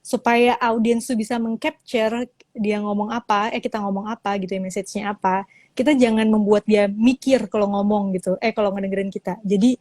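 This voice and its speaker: A woman's voice: mid-range voice, steady tone, fairly quick, darkish tone, no echo. A woman from teaching public speaking in a casual live-stream chat, explaining and acting out examples with changing intonation. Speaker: public speaking lecturer, guest. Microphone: live-stream phone mic.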